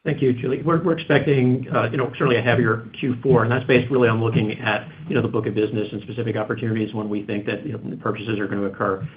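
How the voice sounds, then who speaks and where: A man's voice: medium pitch, fairly even intonation, quick pace, hardly any pauses. A man answering questions off the cuff as a company executive on a conference call. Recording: slightly dull conference call line.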